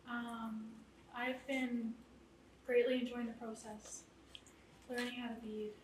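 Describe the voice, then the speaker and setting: A quiet-voiced young woman from Ontario, a beading artist, speaking shyly and hesitantly to a group, with many fillers. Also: a little high, flat delivery, slow pace. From Ontario, Canada. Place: indoor exhibit hall. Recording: echoey room, distant, with background noise.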